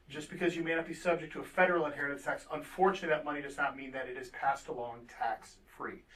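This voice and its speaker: The speech comes at a very fast pace with an American accent. Pitch varies in an ordinary way over noticeable background noise. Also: man. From US Midwest. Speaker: estate planning attorney. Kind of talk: educational presentation. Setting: podium before live audience.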